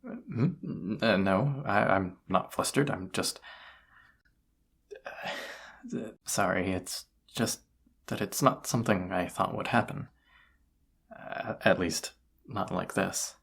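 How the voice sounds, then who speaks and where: A man playing a tired, flustered incubus roommate in an intimate audio roleplay, speaking in a halting, awkward way with a husky, gravelly voice. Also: deep voice, steady tone, slight background noise, full character voice. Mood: flustered, hesitant. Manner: hesitant, halting, soft-spoken, awkward. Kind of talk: roleplay audio drama, intimate one-sided dialogue.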